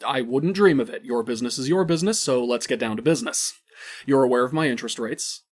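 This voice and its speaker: A man's voice: medium pitch, fast, natural voice. A man playing a cruel, theatrical crime boss in an audio drama, mock-courteous and condescending with menacing outbursts. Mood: smug, silky.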